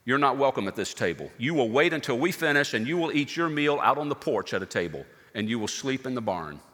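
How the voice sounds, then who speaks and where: رجل يؤدي مزارعاً قاسياً آمراً. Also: male voice, mid-range voice, big pitch swings, quick pace, a bit bright, big-room sound. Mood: cold. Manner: curt, commanding. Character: cold, harsh male farmer.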